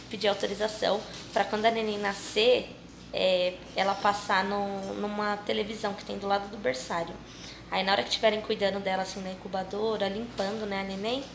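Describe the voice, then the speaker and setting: A woman's fairly even intonation comes at a moderate pace, with noticeable background noise present. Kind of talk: casual vlog chat. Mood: calm, cheerful. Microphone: phone near.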